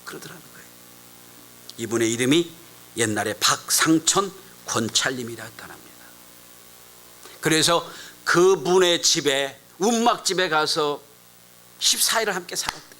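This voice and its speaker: A man preaching a sermon as a pastor, telling a story with sudden loud, emphatic rises and hushed drops. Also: a little high, animated, moderate pace, long pauses, poor audio.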